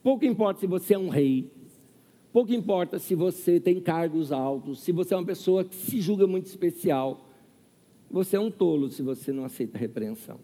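A man's voice: high voice, lively intonation, a little fast, mellow, breathy edge. A man preaching a sermon as pastor to his congregation, with rhetorical questions and acted quotes. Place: church hall. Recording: long hall reverb.

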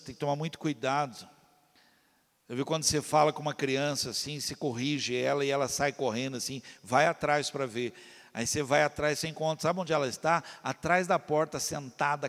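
Impassioned pastor preaching in a reverberant hall. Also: male voice. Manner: swings from loud impassioned pleas to low quiet asides. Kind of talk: sermon.

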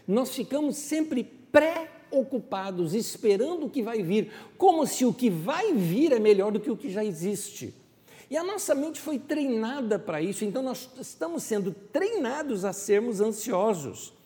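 A man's voice: very high voice, big pitch swings, a little slow, dark tone, in a large hall. A man preaching a conversational sermon, reflective and asking his listeners rhetorical questions. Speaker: pastor. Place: church.

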